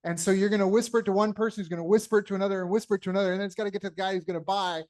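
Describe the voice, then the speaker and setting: A man's voice: high-pitched, steady tone, rapid-fire. Enthusiastic male podcast host. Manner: enthusiastic, repeats praise. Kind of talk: casual interview.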